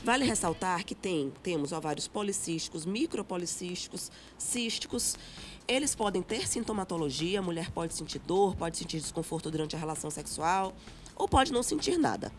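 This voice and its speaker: Brazilian woman doctor explaining calmly. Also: on the low side, normal speed, slight background noise. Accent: Brazilian Portuguese. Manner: clear, explanatory, lists terms. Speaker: gynecologist guest. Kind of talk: explaining medical facts on TV. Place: TV studio set. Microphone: handheld mic.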